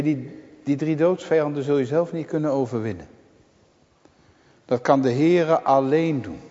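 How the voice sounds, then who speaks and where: Male preacher giving a sermon, slow drawn-out delivery, big churchy reverb, kinda muffled lo-fi. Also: mid-range voice, a little mellow. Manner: slow, emphatic preaching with dramatic pauses and exclamations. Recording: dull lo-fi sound in a reverberant church.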